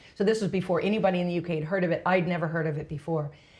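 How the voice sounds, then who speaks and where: A woman speaks at a very fast pace in a fairly low pitch with fairly even intonation. Noticeable background noise runs underneath. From US, San Francisco. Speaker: business founder. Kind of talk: interview.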